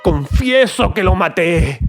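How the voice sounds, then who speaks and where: A tormented, unhinged murderer telling his confession in a horror audiobook. The voice is high for a man and slow, with theatrical, agitated emphasis. Music plays clearly behind it. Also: lively intonation, exaggerated voice. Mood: anguished, raving. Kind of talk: dramatized first-person horror audiobook narration.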